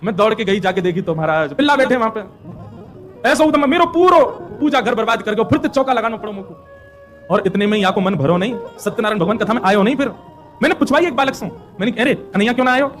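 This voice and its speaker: A man doing a gossipy village milkmaid in a devotional story, scolding and complaining in a Braj accent. She talks fast and high, over faint music. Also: expressive, fairly bright tone. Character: village milkmaid, middle-aged woman, complaining.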